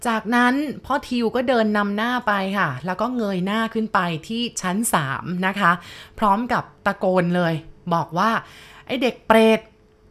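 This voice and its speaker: A woman's voice: mid-range voice, a bit bright. A woman narrating listener-sent ghost stories, polite and talking straight to her audience. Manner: polite, addresses listeners directly.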